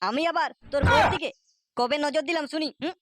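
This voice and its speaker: A man's voice: extremely high pitch, quick pace, fairly bright tone, dry recording, clean studio sound. A man voicing a shifty village womanizer who plays innocent in a comic cartoon, with a West Bengal accent and a mocking, evasive manner. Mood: defiant. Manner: mocking, evasive, stammers when cornered.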